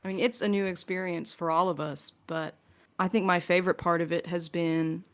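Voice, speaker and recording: Low-pitched woman hosting a casual panel. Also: steady tone, normal speed, fairly bright tone, clear, resonant tone. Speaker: podcast host, producer and voice actor.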